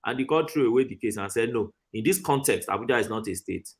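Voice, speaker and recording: Nigerian guy explaining his side in a debate, middle pitch, keeps checking you follow. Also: animated, quick pace. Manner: explanatory, often checks with "right?" and "you understand?". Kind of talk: debate in a group discussion.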